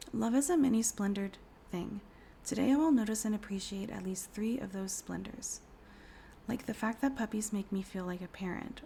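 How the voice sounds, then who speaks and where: Hoarse woman in her 30s, gravelly, mellow-toned, soft whispery delivery, casual tarot reader, faint background hiss. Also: medium pitch. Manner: soft, often whispery, rambling with fillers. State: hoarse from a cold. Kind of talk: casual pick-a-card tarot reading.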